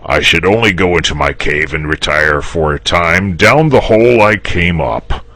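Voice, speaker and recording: A man's voice: low voice, moderate pace, voice pushed up. A man voicing a lazy, fussy male dragon in a storybook reading, speaking coyly and a bit testily. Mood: mild. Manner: wavering, testy, gently pleading.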